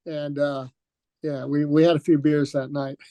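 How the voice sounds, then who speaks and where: A man's voice: fairly high pitch, level tone, normal speed, warm tone, dry recording. An older man, a retired racer, telling stories from his career in a loose, rambling interview with many fillers and restarts. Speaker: retired motocross racer, guest. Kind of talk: relaxed reminiscing in an interview.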